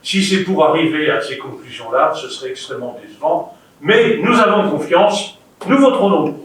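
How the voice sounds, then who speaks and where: A man with a French accent making formal political remarks as a councillor, halting but pointed and emphatic. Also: fairly high pitch, lively intonation. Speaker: local councillor responding at meeting. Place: indoor council meeting room. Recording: very echoey meeting room, distant mic, faint noise.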